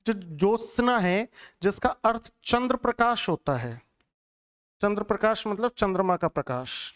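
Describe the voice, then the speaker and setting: Hindi teacher drilling word spellings. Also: male voice, high-pitched, a little slow, fairly bright tone. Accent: Rajasthani Hindi. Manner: drills words by repeating them and quizzing students. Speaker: Hindi exam-prep teacher. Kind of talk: classroom lecture.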